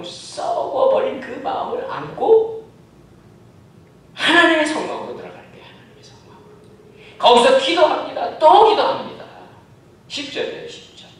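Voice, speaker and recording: Animated pastor in an echoey church. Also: male voice. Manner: asks the congregation questions, animated. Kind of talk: sermon. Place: church sanctuary. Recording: very echoey hall, mic far off, faint rumble.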